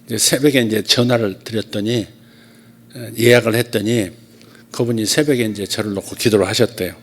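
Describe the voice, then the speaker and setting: A man who is a pastor, giving a conversational sermon at a church service, telling stories and swinging between loud and soft speech. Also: lowish voice, steady tone, a little fast.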